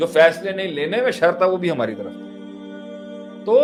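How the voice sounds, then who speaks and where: The speaker is a man. Music plays in the background. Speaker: Islamic preacher. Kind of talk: emotional religious sermon. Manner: emotional, impassioned.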